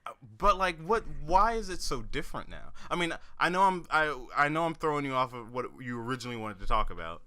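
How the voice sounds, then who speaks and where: Bright, clear-voiced young man, rambling. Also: on the high side, lively intonation, fast, few pauses. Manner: rambling, self-correcting, laughs often. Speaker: podcast co-host. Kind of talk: casual chat.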